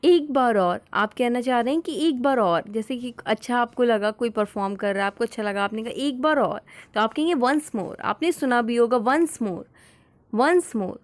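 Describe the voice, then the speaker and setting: A woman teaches everyday English phrases and explains each one patiently. Her voice sits a little high, and she repeats every phrase slowly. The close recording is dry, with almost no room sound. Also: no room sound. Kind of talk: spoken English lesson.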